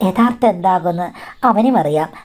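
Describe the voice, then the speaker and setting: A woman's voice: lowish voice, expressive, brisk, a little mellow, close to an everyday voice. A woman voicing a blunt, worldly older woman. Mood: knowing. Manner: frank, teasing, worldly. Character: blunt, knowing older sister-in-law type woman.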